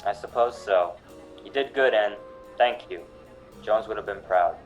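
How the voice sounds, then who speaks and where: A man's voice: lowish voice, unhurried, faint music behind, natural voice. A man playing a plain-spoken police colleague in a radio drama, on a muffled recording. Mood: matter-of-fact.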